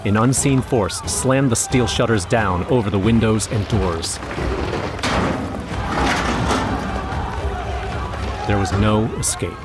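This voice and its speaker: Male narrator for horror audio drama, an actor in role: lowish voice, grim eyewitness account, dramatic, over music. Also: normal speed, natural voice. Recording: music under the voice.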